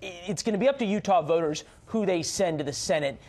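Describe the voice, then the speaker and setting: A man's voice: sits high, expressive, brisk, darkish tone. An American man working as a news anchor, conducting a live political interview.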